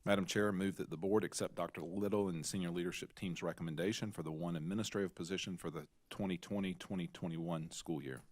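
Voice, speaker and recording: A man serving as a school board member, reading formal motions in measured phrasing. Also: low voice, steady tone, no room sound. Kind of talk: formal motions at a public meeting.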